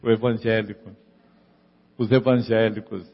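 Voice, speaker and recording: A man's voice: lowish voice, flat delivery, unhurried, big-room sound, lo-fi sound. A man preaching a sermon in a church. He repeats his lines for emphasis and keeps asking the congregation "amen?". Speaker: pastor.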